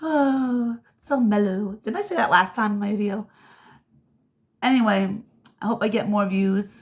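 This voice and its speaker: A woman speaks at a moderate pace in a fairly high, somewhat breathy voice with ordinary pitch variation and long, frequent pauses. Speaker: law of attraction vlogger and author. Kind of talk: casual monologue vlog.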